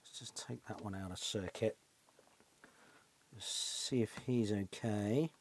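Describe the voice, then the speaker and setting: Here the repair channel host, a British electronics technician, muses slowly at the bench in his small, cluttered indoor workshop. His voice sits on the low side, and a faint hiss or hum runs underneath. The commentary is casual and hands-on, full of thinking aloud and tag questions.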